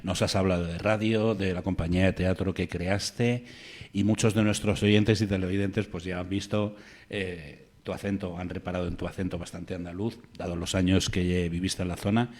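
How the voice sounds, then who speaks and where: A man's voice: low voice, level tone, normal speed, a little mellow. A man hosting an interview, walking through the guest's career and asking conversational questions. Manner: conversational, reads out career details, asks questions. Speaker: interview host.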